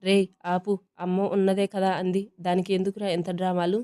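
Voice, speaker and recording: Gentle, caring older brother, read by a female storyteller, mellow, smooth and level. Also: lowish voice, flat delivery, brisk, close to an everyday voice.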